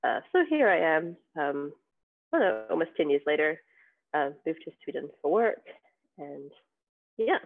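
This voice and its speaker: He's a New Zealand software tester on a podcast, with a slightly high, sing-song voice, a moderate pace, vocal fry, and frequent pauses. The casual interview chat comes out hesitantly, with many ums and restarts, over a tinny remote call resembling a phone line.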